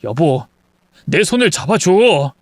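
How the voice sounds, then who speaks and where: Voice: medium pitch, sing-song, takes it slowly, dry recording, full character voice. A voice actor as a wheedling guilty husband. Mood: pleading. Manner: wheedling, pleading. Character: pleading husband from a thief family.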